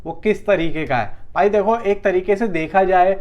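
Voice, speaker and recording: A man's voice: sits high, normal speed, lo-fi sound. A man giving casual film news commentary in a conversational, emphatic, repetitive way, talking straight to his viewers.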